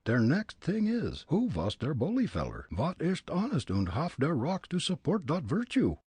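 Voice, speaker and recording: Here is a jolly, shrewd young detective with a thick German accent, as a male narrator puts him on, talking in folksy broken English with a high, swooping voice. He sounds husky and close, with no room around him. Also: wildly swooping pitch, moderate pace, a little mellow, no echo, exaggerated voice. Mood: amused. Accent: put-on German.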